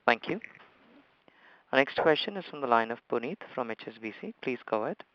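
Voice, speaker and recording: A man's voice: medium pitch, animated, brisk. A man working as conference operator, making formulaic announcements to introduce callers. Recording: dull, lo-fi conference line.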